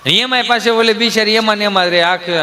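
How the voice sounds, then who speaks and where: A male stand-up comedian tells stories animatedly on stage and acts out family scenes. His voice sits high for a man. A live audience laughs loudly around him. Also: fast, a crowd in the background, background noise.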